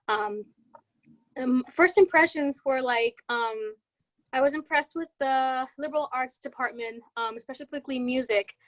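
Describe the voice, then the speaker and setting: A young Puerto Rican woman with a Spanish accent and a fairly high voice, answering panel questions. She pauses often, fills gaps with "um" and restarts her words, since Spanish is her first language. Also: a bit bright, poor audio. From Puerto Rico. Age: young adult. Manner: hesitant, many fillers, restarts words. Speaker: student panelist.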